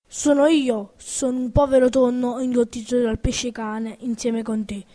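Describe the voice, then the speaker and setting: A woman voicing a calm, resigned and philosophical tuna fish with a harsh, jangly voice in a storybook reading. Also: a little high, unhurried, lightly acted. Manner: resigned, matter-of-fact.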